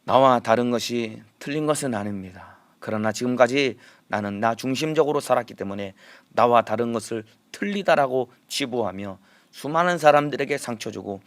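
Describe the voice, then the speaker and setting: A man's voice: mid-range voice, normal speed, no room sound. A male pastor with a Gyeongsang accent giving an emphatic early morning sermon and leading the congregation in repeating phrases. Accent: Gyeongsang Korean. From Gyeongsang region.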